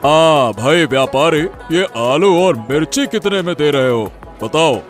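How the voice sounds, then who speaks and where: A man's voice: fairly high pitch, expressive, unhurried, faint music behind. A man voicing a jovial village householder in a cartoon story, easygoing and chuckling.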